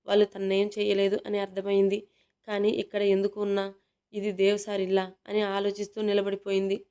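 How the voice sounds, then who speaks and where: A woman narrating a romantic family story as a storyteller, reading in an even, unhurried way. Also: medium pitch, clear, resonant tone.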